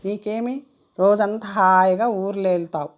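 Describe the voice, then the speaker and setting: A woman voicing a sharp-tongued older mother-in-law who scolds and whines. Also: mid-range voice, measured pace, natural voice. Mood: scolding. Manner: scolding, whining.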